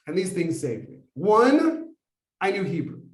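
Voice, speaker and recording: A man in his forties, raised in America, telling a lively personal story to an audience as a Kabbalah teacher, acting out the dialogue as he goes. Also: sits high, unhurried, far from the mic. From United States. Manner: animated, acts out dialogue, many fillers. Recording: echoey room, voice from afar.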